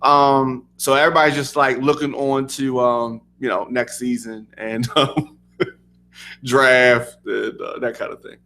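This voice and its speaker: A man's voice: medium pitch, unhurried. Easygoing man chiming in on sports radio. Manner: relaxed, easygoing, hesitant with ums. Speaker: co-host. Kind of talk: casual sports talk radio. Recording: online radio show.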